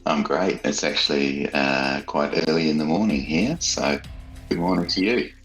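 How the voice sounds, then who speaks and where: A man's voice: rumbling low, normal speed, a bit bright, faint music behind, rough recording. A man, a guest author, giving casual, thoughtful and slightly hesitant interview answers. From Australia. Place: child's bedroom at home.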